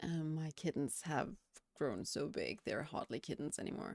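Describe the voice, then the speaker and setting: Someone whispers here. The delivery moves at a fairly slow pace. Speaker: video game streamer. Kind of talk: casual chat. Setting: live stream. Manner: hesitant.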